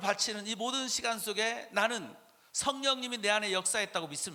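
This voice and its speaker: With a raised, projected voice and a bright, sharp tone, a man talks at a fairly quick pace using ordinary pitch variation. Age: 60s. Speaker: pastor. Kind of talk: sermon. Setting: conference stage with audience and interpreter. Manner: halting, pausing for interpreter.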